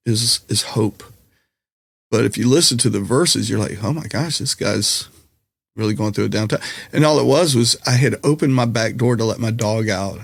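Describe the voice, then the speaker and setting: A middle-aged man with a slightly raspy, gravelly voice speaks in a relaxed, candid way. He is reflective and easily drifts into jokes. The sound is dry and close, with no room around it. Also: mid-range voice, dry recording. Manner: candid, reflective, jokey storyteller. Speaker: podcast guest, musician and comedian. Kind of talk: casual conversational interview.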